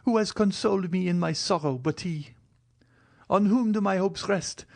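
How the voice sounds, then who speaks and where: A man's voice: high voice, moderate pace, creaky, voice pushed up. A man doing an anguished young woman. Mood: impassioned. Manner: impassioned, tearful pleading. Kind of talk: audiobook reading.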